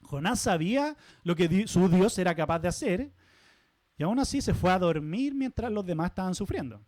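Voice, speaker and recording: High-voiced pastor preaching conversationally. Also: male voice, lively intonation, normal speed, a little mellow, no room sound. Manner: conversational, asks the congregation questions, light humorous asides. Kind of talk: sermon. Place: church sanctuary.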